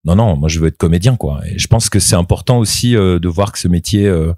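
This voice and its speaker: A man's voice: deep voice, fairly quick, mellow, no echo, clean studio sound. A man in his thirties, a voice actor being interviewed, talking casually with many fillers and restarts. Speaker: voice actor guest.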